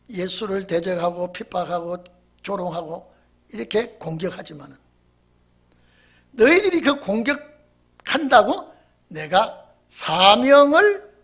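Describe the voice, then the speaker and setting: A male pastor giving a Friday evening sermon, telling stories and shifting dramatically between loud and soft. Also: sits high, slightly rough. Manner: animated, storytelling, dramatic swings in volume.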